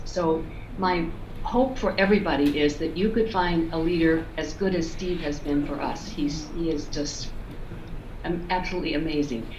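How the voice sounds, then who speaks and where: A woman offers warm, effusive praise over a call. Her voice is somewhat low for a woman. The audio is dull and roomy, with a faint hiss. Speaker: foundation family member.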